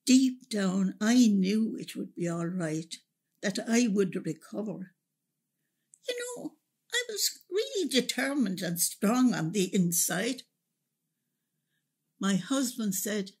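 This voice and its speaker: A woman's voice: medium pitch, breathy edge, full character voice. A woman playing a wistful, resilient older Irish mother reminiscing expressively about hard years in a radio drama monologue. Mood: sad, resolute. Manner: slow, reflective, expressive.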